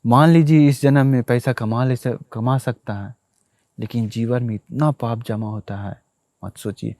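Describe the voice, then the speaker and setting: A monk preaching a sermon to listeners, telling a story, repeating phrases and addressing them directly. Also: male voice, medium pitch, fairly even intonation, unhurried, mellow, no echo.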